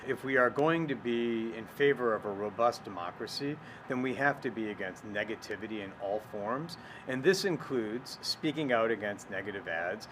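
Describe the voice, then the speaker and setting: A man, a political candidate, giving a formal, deliberate press statement. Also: fairly low pitch, expressive, noisy background.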